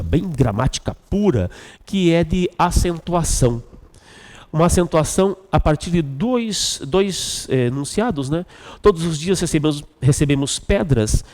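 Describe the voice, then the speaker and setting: A man's voice: mid-range voice, mellow, long reverb tail. A male Brazilian Portuguese teacher going through exam questions step by step, often checking in with the students. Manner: explains step by step, asks "tá bom?". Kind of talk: exam review lesson.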